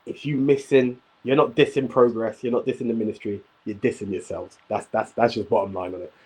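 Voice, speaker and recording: A man's voice: fairly low pitch, fairly even intonation, fairly quick, warm tone, slightly rough, rough recording. A man hosting a wrestling review show, speaking emphatically and repeating himself for emphasis. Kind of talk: casual podcast chat.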